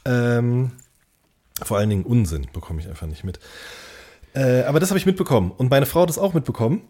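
A man's voice: medium pitch, expressive, brisk, warm tone. A man co-hosting a podcast in casual, unscripted chat, explaining things in a rambling, searching way and often rephrasing. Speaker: podcast co-host.

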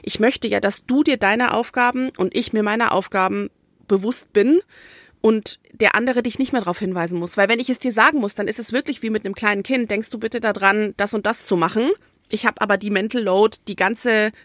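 A woman co-hosting a casual podcast chat, telling stories in a lively way and acting out the quotes she retells. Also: medium pitch, fairly quick, dry recording. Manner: lively storytelling, acts out quotes. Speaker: podcast co-host.

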